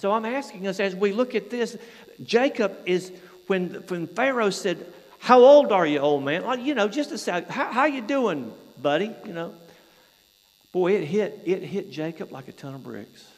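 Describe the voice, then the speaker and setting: In a Southern US accent, a man talks at a moderate pace with high pitch, lively intonation and big swings in loudness. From US South, Atlanta, Georgia. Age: old. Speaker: visiting retired Baptist pastor. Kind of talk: sermon. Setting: church.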